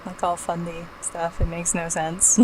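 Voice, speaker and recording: A woman's voice: lowish voice, slight background noise, rough recording. A woman giving casual, joking commentary on a video game, often laughing. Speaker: let's play commentator.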